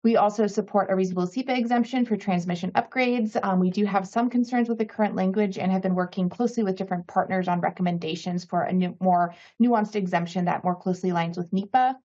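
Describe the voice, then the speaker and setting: Woman advocate, mid-pitch, some fry, muffled lo-fi recording. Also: fairly even intonation, fast, hardly any pauses, mellow. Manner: polished, prepared. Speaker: advocacy group testifier. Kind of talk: public testimony.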